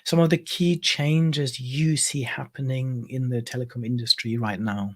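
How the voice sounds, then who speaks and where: A man hosting a live conversational interview, speaking in a somewhat halting way with repeated words. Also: mid-range voice, fairly even intonation. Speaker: interview host.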